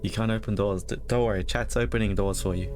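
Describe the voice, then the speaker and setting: A man streams a game with casual, offhand commentary. His voice sits a little low and his humor is dry and deadpan. Loud game music plays behind him. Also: quick pace. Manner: wry, deadpan joking. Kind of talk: casual let's play commentary.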